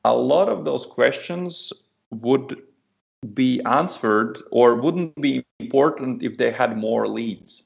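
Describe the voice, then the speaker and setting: Latvian guy, native latvian, super gravelly fry in his voice, matter of fact, muffled sound. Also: mid-range voice, slow pace. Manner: matter-of-fact, repeats words when starting sentences. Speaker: podcast guest, dating coach. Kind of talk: casual podcast chat. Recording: dull lo-fi podcast audio.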